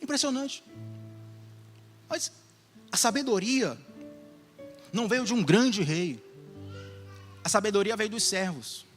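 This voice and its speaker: A man with a Bahian Brazilian accent preaching a sermon, animated, with joking asides and acted-out dialogue. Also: sits high, slow, pauses often, in a large hall, soft background music. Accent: Bahian Brazilian Portuguese.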